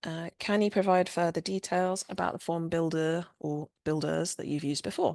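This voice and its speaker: With a British accent, a woman speaks at a fairly low pitch with ordinary pitch variation, the sound dry and close with no echo. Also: moderate pace. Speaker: civil servant presenting a product demo. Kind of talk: webinar tutorial demo. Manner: halting with many fillers.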